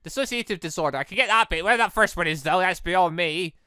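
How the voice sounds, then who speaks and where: Male game streamer, crisp and bright, rambling excitably through playthrough commentary. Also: high voice, quick pace, no room sound, clean studio sound. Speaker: gaming video host. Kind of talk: playthrough commentary of a visual novel.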